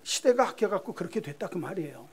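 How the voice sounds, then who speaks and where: Male pastor, emphatic sermon delivery, high-pitched, rhetorical questions. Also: very animated, quick pace, a little mellow, slightly rough.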